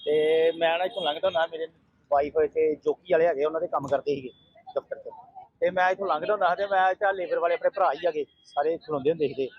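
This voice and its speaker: Guy who runs a food stall, talks fast and earnest, kinda muffled dry recording. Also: fairly high pitch, husky, no room sound. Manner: earnest, repeats himself. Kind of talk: casual interview.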